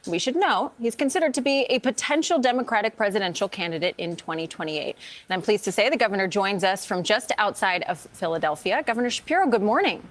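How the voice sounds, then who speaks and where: A woman anchoring a morning news show, asking brisk, probing interview questions. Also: medium pitch, expressive.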